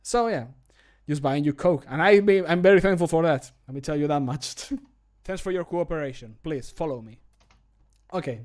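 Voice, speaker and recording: Higher-voiced man chatting jokily on stream. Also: normal speed. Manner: jokey, chatty, animated, self-amused. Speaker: streamer and hobby game modder recording voice lines. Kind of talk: casual livestream chat. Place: small home room, indoors.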